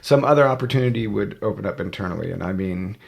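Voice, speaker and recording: A man's voice: fairly low pitch, fast, vocal fry. A man in his forties, a podcast guest telling his story in a rambling, casual way with many fillers and restarts. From United States. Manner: rambling, self-correcting storyteller with frequent fillers. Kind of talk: casual conversational interview.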